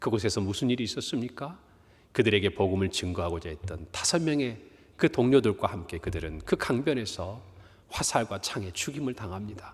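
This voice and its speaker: The man's somewhat breathy voice moves at a fairly quick pace with lively intonation. The recording is very clean, with a silent background. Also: fairly low pitch for a man. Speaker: pastor. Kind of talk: sermon.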